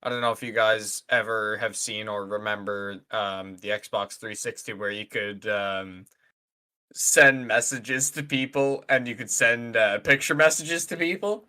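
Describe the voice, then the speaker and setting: A man's voice: lowish voice, a little slow, sharp tone. A man in his twenties co-hosting a podcast in casual chat, blunt and swearing freely. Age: 20s. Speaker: podcast co-host.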